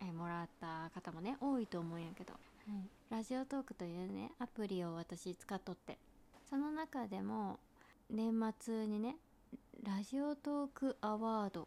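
The tone is relaxed, dark and mellow. The intonation is lively. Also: woman. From Hakata, Fukuoka, Japan. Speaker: podcast host. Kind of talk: casual chat. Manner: relaxed, slow.

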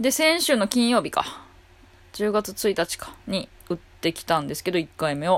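A medium-pitched woman speaks at a moderate pace, her voice making very wide pitch swings and big swings in loudness. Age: 30s. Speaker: comedian. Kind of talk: casual solo talk.

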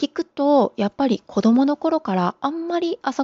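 A woman speaks at a moderate pace in a calm tone. Her pitch swings very widely. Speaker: podcaster, mother. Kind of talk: solo monologue.

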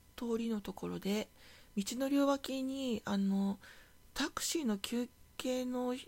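A woman speaks at a very slow pace in a relaxed tone, her pitch high with ordinary variation. The recording is very clean, with a silent background. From Tokyo, Oshiage. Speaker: podcast host. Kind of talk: casual solo talk. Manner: relaxed, many fillers.

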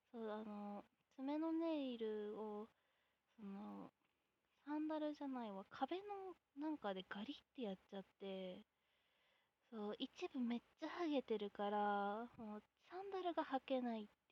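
A woman's fairly high voice at a fairly slow pace, with lively intonation and long, frequent pauses. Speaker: solo podcaster and YouTuber. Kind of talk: casual diary monologue.

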